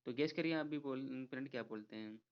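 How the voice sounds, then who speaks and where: A man teaching an exam-prep vocabulary lesson, explaining each word slowly, repeating himself and asking viewers to guess. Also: medium pitch, clean tone. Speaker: English teacher. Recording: slightly dull lo-fi audio.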